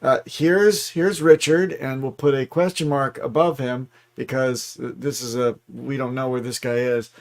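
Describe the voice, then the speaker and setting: A man's voice: medium pitch, fairly even intonation, a little slow, vocal fry, few pauses. A man voicing sly scheming lawyers. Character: scheming male lawyers stalling for fees.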